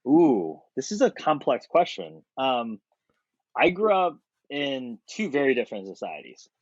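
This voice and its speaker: A man in his thirties from South Korea, a podcast guest talking thoughtfully and with energy, pausing on fillers. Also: mid-range voice, no echo. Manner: thoughtful, animated, with frequent fillers and laughs. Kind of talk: conversational interview. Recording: dry, slightly dull podcast audio.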